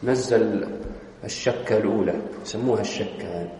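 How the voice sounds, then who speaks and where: A man's voice: on the low side, fairly quick, warm tone, slight background noise. Man, islamic law lesson, quizzes students, strong echo, long hall reverb. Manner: explanatory, quizzes students with questions. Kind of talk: classroom lesson. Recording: very echoey hall.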